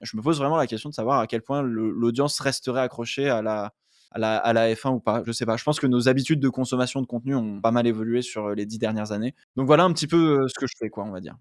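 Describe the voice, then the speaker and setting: A man's voice: medium pitch, quick pace, dry recording, studio quality. Thoughtful man in his late twenties. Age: late 20s. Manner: thoughtful, many fillers and restarts. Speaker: guest, content creator. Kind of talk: casual interview talk.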